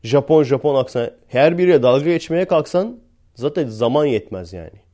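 A man's voice: mid-range voice, expressive, brisk, warm tone. A man from Turkey hosting a podcast, talking in a chatty, sarcastic, rambling way and often laughing. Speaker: podcast host. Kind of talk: casual podcast monologue.

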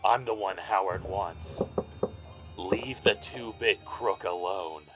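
An actor playing a defiant, weary private eye in a noir audio drama, wry and terse. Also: male voice, low voice, slow, a bit bright, faint music behind. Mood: wry resignation. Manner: wry, terse, hard-boiled.

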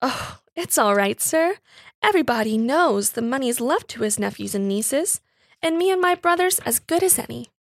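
Storybook housemaid, played by a woman: proud, indignant, uneducated speech, high voice with little creak, close and dry. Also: animated, moderate pace, no room sound. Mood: insistent. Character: pert, defiant young housemaid newly come into money.

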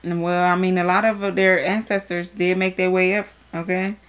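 A woman's voice: fairly low pitch, normal speed. A young adult woman co-hosting a podcast, chatting casually and loosely with slang. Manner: relaxed, conversational, uses slang. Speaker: podcast co-host. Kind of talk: casual chat.

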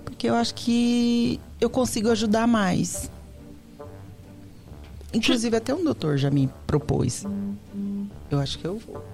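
A woman's voice: a little high, a little slow, creaky, long pauses, a little mellow, soft background music. A middle-aged woman with a Brazilian accent, a nursing technician answering interview questions candidly in casual chat. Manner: candid, telling stories in short plain phrases.

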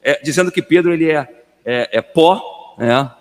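A man's voice: a little high, moderate pace, long reverb tail. A Brazilian man in a casual Bible study discussion, earnest and repeating words as he thinks aloud. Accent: Brazilian Portuguese.

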